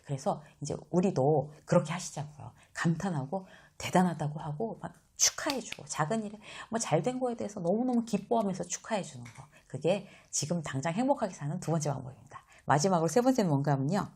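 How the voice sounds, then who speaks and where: Husky middle-aged woman lecturing with animation. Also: on the low side, a little fast, few pauses. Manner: lively, exclamatory, acts out quoted dialogue. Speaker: career and life lecturer. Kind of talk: casual lecture to camera.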